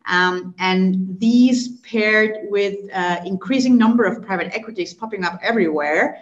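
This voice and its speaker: Colombian-born woman in her thirties, explanatory guest, average pitch, dull echoey call audio. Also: a little slow. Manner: fluent, explanatory, frequent "right?" and "um" fillers. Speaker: guest, consulting executive. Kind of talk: podcast interview answers.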